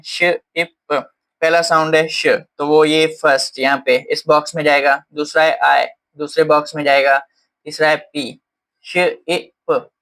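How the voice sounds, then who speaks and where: A man's voice: fairly high pitch, pushed and bright, rough recording. A man with an Indian accent explaining a teaching lesson step by step, with frequent fillers and English terms mixed into Hindi.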